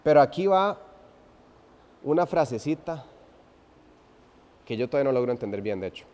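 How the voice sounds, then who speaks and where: A man preaching an expository sermon, swinging from loud emphasis to hushed, drawn-out phrases and asking the congregation rhetorical questions. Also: mid-range voice, big pitch swings. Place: church sanctuary. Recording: long reverb of a church hall.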